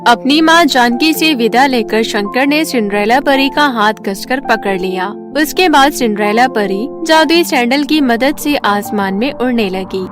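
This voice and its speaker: A woman's voice: a little high, expressive, unhurried, hardly any pauses, music in the background. A woman storyteller narrating a scripted children's fairy tale.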